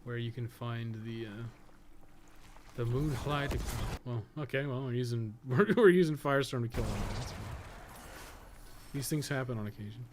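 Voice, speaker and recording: A man's voice: medium pitch, moderate pace. Rambling man doing gameplay commentary, noisy recording. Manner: rambling, thinking aloud, casually profane. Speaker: podcast co-host and gaming streamer. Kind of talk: casual live gameplay commentary.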